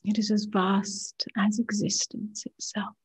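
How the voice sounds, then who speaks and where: A woman meditation teacher guiding a practice in a soft, hushed voice that often nears a whisper, with short unhurried phrases. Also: medium pitch, flat delivery, slightly rough. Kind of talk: guided meditation, slow and gentle with long pauses.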